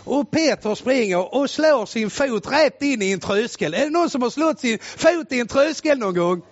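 A male preacher telling a story in a sermon, loud and exclamatory, swinging from shouting to hushed tones. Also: very high-pitched, lively intonation. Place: church. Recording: muffled lo-fi recording.

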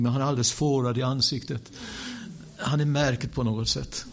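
A male preacher giving a sermon built around a personal story, animated in the telling with wry asides, and dropping to a hush for the quiet moments. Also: mid-range voice.

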